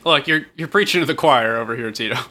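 A man co-hosting a comedy podcast, delivering wry, deadpan quips. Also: mid-range voice, fast. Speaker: podcast co-host. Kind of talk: comedic banter.

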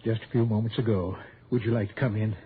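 A man's voice: fairly low pitch, fairly even intonation, fast, slight background noise, lightly acted. An actor playing an elderly male country doctor who hesitates and stammers, in a 1960s radio drama. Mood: fretful. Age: older. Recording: tinny old radio broadcast.

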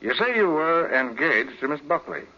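An American actor playing an authoritative, blunt private detective in a 1940s radio drama, with clipped, businesslike questioning. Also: male voice, on the high side, big pitch swings, normal speed. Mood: probing. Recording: muffled vintage 1940s radio recording.

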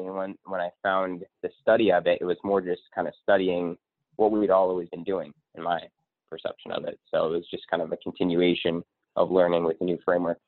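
A man from Connecticut, a guest speaker and coach, talking in a relaxed, rambling way with many ums. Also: sits low, no echo. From Connecticut, USA. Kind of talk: casual interview. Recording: tinny phone-line sound.

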